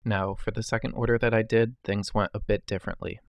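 A man's voice: fairly low pitch, little pitch movement, fast talker, gravelly, dull audio, very noisy. A man narrating a voice-over review of a delivery gig, explaining things step by step in a matter-of-fact way. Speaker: delivery driver vlogger.

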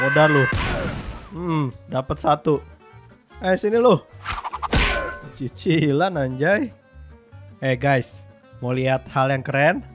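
Young Indonesian man, fairly high voice, casual game commentary, swears a lot. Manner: excitable, slangy, swears in English often. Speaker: gaming YouTuber.

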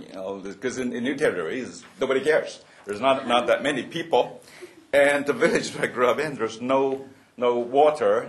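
A man in his seventies from Hong Kong, sharing childhood memories at a roundtable, with many fillers and restarts and frequent chuckles. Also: fairly low pitch. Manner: halting, many fillers and restarts, laughs often. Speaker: roundtable speaker. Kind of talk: personal reminiscence at a panel.

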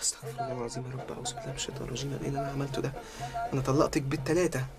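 An actor with an Egyptian accent playing an impulsive husband in a comedy film, swinging from shouting to muttering. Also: male voice, on the high side, expressive, rapid-fire, lightly acted.

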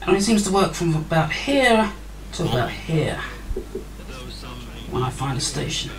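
A woman's voice: sits low, very animated, a little slow, poor audio. Wry woman tinkering at a workbench. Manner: chatty, wry, apologetic asides. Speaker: hobbyist radio tinkerer. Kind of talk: casual demo commentary. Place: indoor workbench. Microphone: desk microphone near an amplifier.

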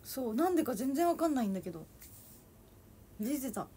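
A woman's voice: high voice, big pitch swings, a little fast, warm tone, slightly rough. A young woman from Toyama with a Toyama accent, chatting casually with viewers on a livestream and giggling often. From Toyama, Japan. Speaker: idol livestreamer. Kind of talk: casual livestream chat reading comments.

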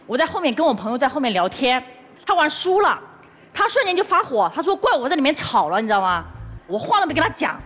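Fast indignant woman on a studio stage. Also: high voice, fairly bright tone. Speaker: show guest. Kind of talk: heated complaint about partner.

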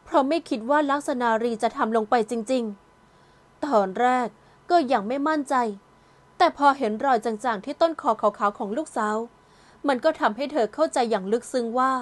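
A woman narrating an audio novel in a calm, gentle storytelling voice. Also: high voice, moderate pace. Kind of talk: scripted narration.

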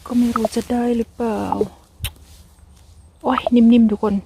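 Excited woman vlogging from a forest. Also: fairly high pitch, a little slow, background noise. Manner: excited exclamations, talks to viewers. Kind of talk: casual chat while foraging. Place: forest outdoors.

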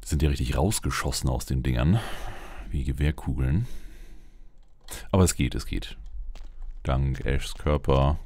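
A man's voice: a bass voice, measured pace, long pauses, a little mellow, dry recording. A man giving casual, wry gameplay commentary with a bit of roleplay, muttering to himself as he plays. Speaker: let's play host. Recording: noticeable background noise, game ambience. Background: video game ambience.

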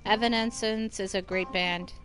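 A woman's voice: medium pitch, steady tone, normal speed, fairly bright tone, soft background music. A woman live-streaming a game, chatting easily with viewers and thanking them by name. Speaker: livestream gamer. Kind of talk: casual live-stream chat.

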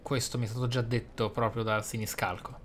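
A man hosting a roleplay let's play, speaking in deliberate, formally worded, articulate commentary. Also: medium pitch, flat delivery, a bit bright, a little hiss or hum. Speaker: gamer, let's play host. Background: video game ambience.

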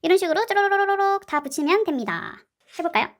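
With an extremely high, animated voice, a woman hosting a slime and clay craft channel talks fast through a casual tutorial. She keeps things playful, adding cute sound words as she works.

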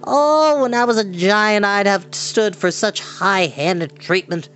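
A man's voice: high voice, slow, fairly bright tone, voice pushed up. A man playing a whiny greedy little ex-giant. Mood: whining. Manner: whiny, complaining.

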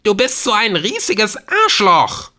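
A hurt, biting young woman from an audiobook novel, acted out by a man. The voice is lifted well up and has a sharp, forceful edge. She speaks in a snappy, accusing, sarcastic way. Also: sits high, animated, unhurried, pitched above the performer's own voice, heavily acted. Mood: furious, sarcastic.

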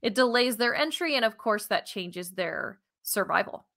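A woman in her thirties with an American accent co-hosts a science podcast. Her voice is bright and crisp-edged at an average pitch. She explains conversationally and with animation, speaking into a headset from home. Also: animated, normal speed. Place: living room at home, indoors. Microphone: headset on a video call.

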